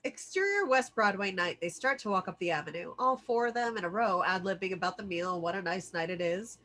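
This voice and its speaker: A woman acts as narrator for a script read. She has a medium-pitched, bright, crisp-edged voice and reads out stage directions. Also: lively intonation, a little fast.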